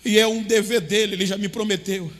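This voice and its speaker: A man's voice: high voice, steady tone, brisk, a bit bright. A man preaching a sermon as pastor, impassioned, drawing some phrases out in a chanting tone.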